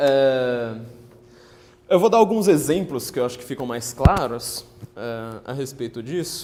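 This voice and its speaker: Audible room echo surrounds a man whose dark, mellow, medium-pitched voice moves with lively intonation and big swings in loudness, broken by long, frequent pauses. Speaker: political writer and lecturer. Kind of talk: lecture. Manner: fast.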